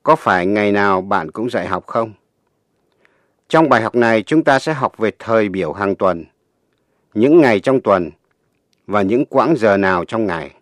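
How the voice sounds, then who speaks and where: A man teaching a language lesson on the radio in a measured, explanatory way, reading scripted narration. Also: fairly low pitch, animated, no room sound, clean studio sound.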